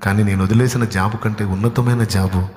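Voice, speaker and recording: A preacher playing a devoted believer who answers insults softly and patiently. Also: male voice, on the low side, steady tone, quick pace, lightly acted. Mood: calm. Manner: soft, patient, quiet. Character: calm devoted believer, gentle and steady.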